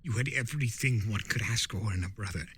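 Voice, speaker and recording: A man voicing an impassioned, scolding male spirit of chaos with theatrical, drawn-out emphasis in a dramatic story reading. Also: on the low side, a bit bright, breathy edge. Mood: impassioned, accusing. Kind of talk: dramatic fan-fiction reading.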